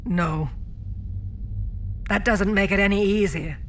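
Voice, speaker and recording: An actress playing a weary but composed starship captain in a science fiction audio drama, speaking in a measured way. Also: female voice, mid-range voice, slight background noise, natural voice. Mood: somber.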